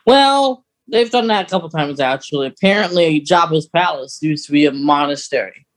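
Man podcaster with a higher voice. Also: animated, normal speed. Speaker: podcast host. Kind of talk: casual chat discussing a story.

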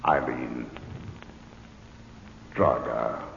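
A man's voice: rumbling low, fairly even intonation, very slow, creaky, a bit bright, lo-fi sound, heavily acted. An actor playing a centuries-old alien man, stern yet tender, in a grave, declamatory 1950s radio drama style. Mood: tender, solemn. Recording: hissy band-limited 1950s radio with reverb.

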